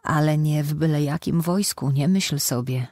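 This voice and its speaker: A woman's voice: deep voice, moderate pace, darkish tone, dry recording, clean studio sound, close to an everyday voice. A woman reading a proud wounded young soldier. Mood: joking proud. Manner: joking, then earnest and insistent.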